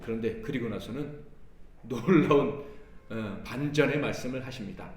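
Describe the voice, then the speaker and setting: A man's voice: mid-range voice, normal speed. A man preaching a Sunday sermon to his congregation. He acts out the words of Jesus and the disciples and keeps asking the congregation questions. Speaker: pastor. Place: church sanctuary. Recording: echoey church hall, mic at a distance.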